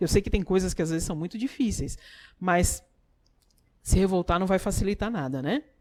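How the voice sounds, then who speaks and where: Soft-spoken and at a medium pitch, a woman leaves long, frequent pauses in a very clean recording with a silent background. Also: lively intonation, moderate pace. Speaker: spiritist lecturer. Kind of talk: spiritist talk. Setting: live talk with small audience. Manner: halting.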